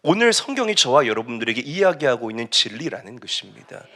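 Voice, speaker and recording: A man's voice: mid-range voice, big pitch swings, fast, bright, forceful tone. A man preaching a sermon, telling a story emphatically and asking the congregation rhetorical questions. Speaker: pastor.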